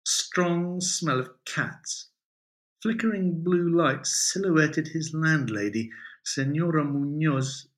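A man, a writer, reading his own short story aloud in a measured, expressive way. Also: medium pitch. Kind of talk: literary reading.

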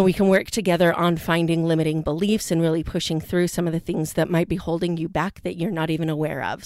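A woman's voice: lowish voice, dry recording, studio quality. Upbeat woman podcast host. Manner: upbeat, chatty, lots of fillers. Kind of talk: casual interview.

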